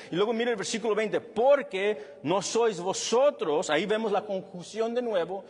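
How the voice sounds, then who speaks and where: A male pastor preaching a sermon with a husky voice, animated and then dropping low and quiet to stress a point. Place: church hall with long reverb. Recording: reverberant church hall.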